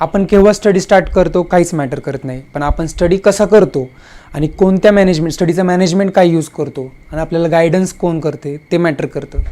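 A high-pitched man with fairly even intonation, over noticeable background noise. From India, Pune (Maharashtra). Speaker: police sub-inspector sharing exam journey. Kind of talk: informal talk to exam aspirants.

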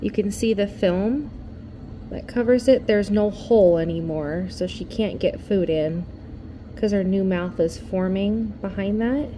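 A dark, mellow tone comes through at a fairly slow pace with ordinary pitch variation. Light background noise is present. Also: woman. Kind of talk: casual vlog chat. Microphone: phone near.

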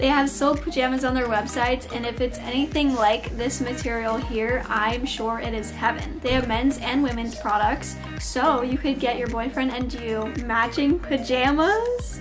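The speech runs on with hardly any pauses while clear music plays in the background. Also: woman, moderate pace. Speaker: lifestyle vlogger. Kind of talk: sponsored segment vlog chat. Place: home room. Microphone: camera far.

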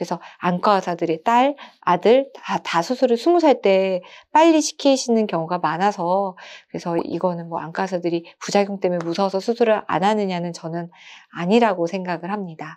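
A woman's medium-pitched voice carries lively intonation as she talks at a moderate pace. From South Korea. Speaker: ophthalmologist. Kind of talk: informational talk to camera. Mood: calm, reassuring. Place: studio.

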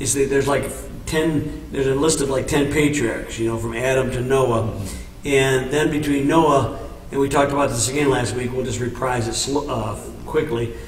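Light background noise sits under the voice, along with audible room echo. The intonation is fairly even. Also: man. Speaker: presenter. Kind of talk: informal lecture discussion. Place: home room.

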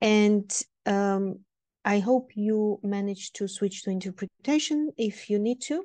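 The voice has a dark, mellow tone and a fairly slow pace. The background is quiet. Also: woman. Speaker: webinar host from project team. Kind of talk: formal opening remarks. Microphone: video call.

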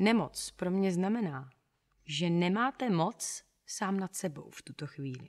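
A woman speaks at a fairly slow pace in a medium-pitched voice, her intonation lively and her loudness swinging widely. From Czech Republic, Moravia (Náměšť nad Oslavou). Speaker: stage actress, podcast co-host. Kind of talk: casual chat. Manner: animated.

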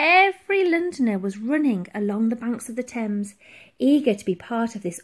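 With lively intonation, the speaker uses an unforced reading voice.

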